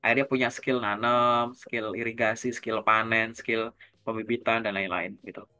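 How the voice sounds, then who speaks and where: A man coaching job seekers in a relaxed conversation, explaining with everyday examples and asking questions to check that his listener follows. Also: lowish voice, normal speed. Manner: keeps tagging sentences with a casual filler. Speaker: career coach.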